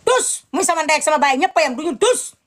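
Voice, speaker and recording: Woman, high voice, indignant, emphatic, impassioned commentary. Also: sing-song, quick pace. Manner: indignant, emphatic, repeating her words.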